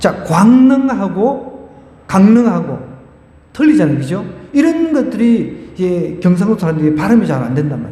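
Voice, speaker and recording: Over noticeable background noise and audible room echo, a man speaks at a high pitch with very wide pitch swings. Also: moderate pace. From South Korea, Gyeongsang province. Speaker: pastor. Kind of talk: sermon.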